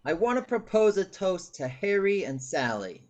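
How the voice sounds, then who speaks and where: A man's voice: high voice, very animated, normal speed, muffled recording. A man playing a wry friend of the groom giving a teasing, declaimed wedding toast in a screenplay table read. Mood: wry, celebratory. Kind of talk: virtual table read of a romantic comedy screenplay.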